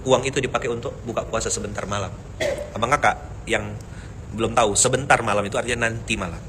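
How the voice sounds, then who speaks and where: A man preaching a lively sermon with jokes, swinging between loud emphasis and soft asides and chanting verses. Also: on the low side, quick pace, a little hiss or hum. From Pontianak, Indonesia. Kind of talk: lively mosque sermon with jokes and audience banter.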